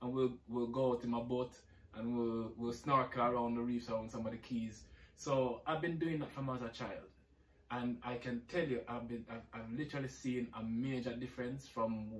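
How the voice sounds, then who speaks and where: Medium-pitched man with a Jamaican accent. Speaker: environmental scientist and conservationist. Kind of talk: interview answers.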